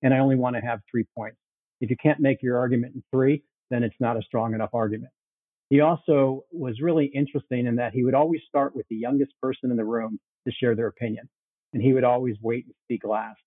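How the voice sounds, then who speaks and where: A man in his sixties who grew up in Chicago, answering interview questions with steady, orderly storytelling. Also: mid-range voice, fast talker, breathy edge, no echo. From Chicago, USA. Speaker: guest cofounder. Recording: tinny phone-like line, dry.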